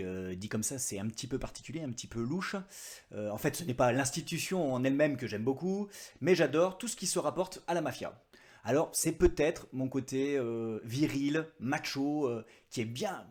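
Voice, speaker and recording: A man's voice: medium pitch, a little mellow. A man hosting his own book review vlog, chatty and joking at his own expense. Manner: chatty, self-mocking asides. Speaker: book vlogger.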